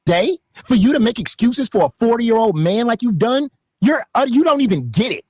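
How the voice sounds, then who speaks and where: A man's voice: very high voice, big pitch swings, moderate pace, darkish tone, husky, no echo. A man in a heated live stream debate, angrily lecturing and swearing.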